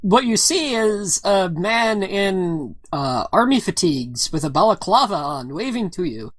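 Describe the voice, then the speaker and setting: A woman's voice: medium pitch, very animated, unhurried, no echo. A woman narrating as game master of a tabletop game, casual and often laughing, with many "all right"s and "uh"s.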